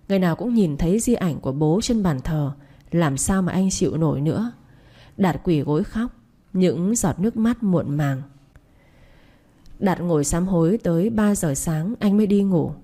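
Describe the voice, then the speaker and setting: Casting: female narrator, low mellow voice, scripted story narration.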